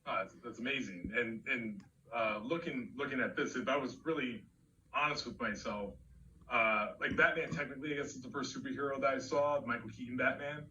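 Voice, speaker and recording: A man's voice: medium pitch, brisk, pushed and bright. A man moderating a panel, enthusiastic and gushing. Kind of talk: panel discussion. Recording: distant, dull sound with faint noise.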